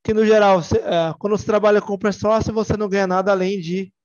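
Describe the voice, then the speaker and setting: A young man with a high, fairly even voice, a fast delivery, and a darkish tone, in lo-fi audio. A tech conference speaker from Salvador, Bahia, Brazil, with a Bahian Brazilian Portuguese accent, he gives a casual, joking technical talk full of fillers and restarts.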